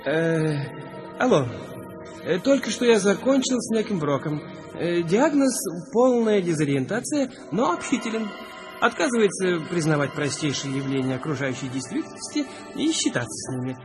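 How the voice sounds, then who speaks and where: Courteous but reproving male psychiatric official; lively intonation, lighter register, radio play with clear music bed. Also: high-pitched, normal speed, low-quality recording. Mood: officious. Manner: polite, officious, hesitant when challenged. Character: male mental health official, formal, reproving doctor. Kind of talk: Russian radio drama acting. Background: music behind the voice.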